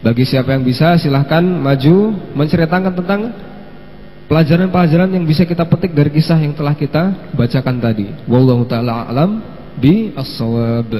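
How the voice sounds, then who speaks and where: A man hosting a live-streamed children's story lesson, gently coaxing the kids to answer and sprinkling in Arabic phrases. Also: a little high, brisk. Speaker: children's religious teacher and host. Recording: long hall reverb with faint mains hum.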